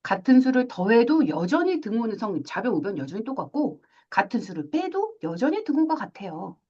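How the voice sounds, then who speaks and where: Lady math teacher, bouncy high-ish voice, all over the place in pitch, kinda dull lo-fi sound. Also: a little fast. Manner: animated, asks questions and acts out little scenes. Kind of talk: classroom lecture.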